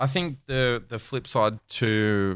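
A man in an Australian accent uses fairly even intonation, recorded very cleanly against a silent background with a dry, close sound and no echo. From Australia, Sutherland Shire south of Sydney. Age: 30s. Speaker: metal fabricator. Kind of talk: casual interview chat.

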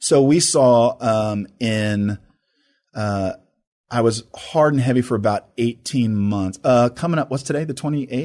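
A man speaks at a fairly slow pace with medium pitch and ordinary pitch variation. The background is quiet. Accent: American. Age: 40s. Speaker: pastor. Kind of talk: casual chat.

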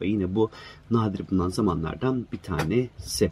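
Somewhat breathy, this voice shows ordinary pitch variation. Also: man. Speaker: astrologer. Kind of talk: casual monologue to followers. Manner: quieter than usual.

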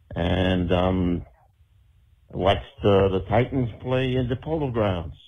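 A man's very deep, low voice, somewhat breathy, with an American accent, ordinary pitch variation and a fairly slow pace. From New Jersey. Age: 70s. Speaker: caller, longtime fan. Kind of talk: casual call-in. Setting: phone call.

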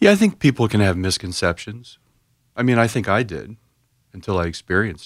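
With an American accent, a fairly low-pitched man speaks at a fairly quick pace with ordinary pitch variation and big swings in loudness, on a very clean recording with a silent background. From New Jersey (Jersey Shore). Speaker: author. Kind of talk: radio interview. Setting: studio. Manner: halting.

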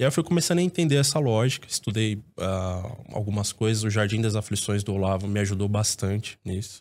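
A man talks fairly quickly at a fairly low pitch with lively intonation, in an unremarkable speaking voice. The recording is very clean, with a silent background. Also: hardly any pauses. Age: 30s. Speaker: journalist and sociologist. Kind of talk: casual chat.

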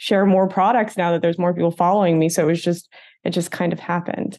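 Over a quiet background, a woman with an American accent talks at a very fast pace in a fairly low pitch with monotone, flat intonation. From Central California. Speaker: social media food reviewer. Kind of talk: casual interview.

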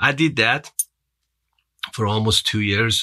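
On a very clean recording with a silent background, a man with a Persian accent speaks at a fairly low pitch in a bright, sharp tone. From Iran. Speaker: war veteran and business CEO. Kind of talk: podcast interview.

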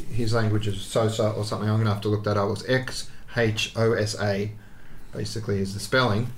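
Delivered at a very fast pace, the speech is somewhat breathy, with very even loudness and monotone, flat intonation. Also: man, fairly low pitch for a man. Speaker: podcast host. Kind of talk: casual chat.

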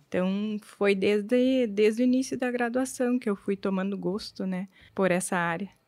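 A woman with an ordinary speaking voice, medium pitch, ordinary pitch variation, and a moderate pace. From southern Brazil, rural Rio Grande do Sul. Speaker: agronomist, seed researcher. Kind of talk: interview conversation.

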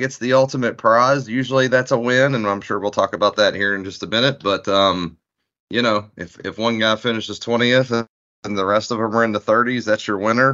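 A man with an American accent speaks at a moderate pace in a medium pitch, with a plain, everyday voice and fairly even intonation. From West Virginia. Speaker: sports reporter.

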